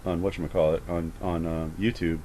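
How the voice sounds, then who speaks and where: A man's voice: sits low, little pitch movement, fairly quick, heavy background noise. A man chatting casually, rambling with frequent stammers and false starts. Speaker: host of a call debrief. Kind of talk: casual chat.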